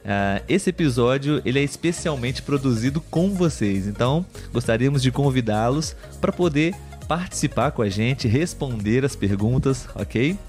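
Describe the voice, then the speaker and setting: A Brazilian man hosting a live podcast chat for learners of Portuguese, speaking clearly and in a measured way and often checking in with his co-host. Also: medium pitch, expressive, darkish tone, faint music behind.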